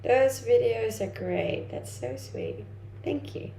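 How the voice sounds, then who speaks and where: Speaking slowly in a high, sing-song voice that's creaky and mellow, a young Danish woman, a native speaker, hosts a casual livestream, reading and answering what viewers write. The room echoes, with faint noise in the background.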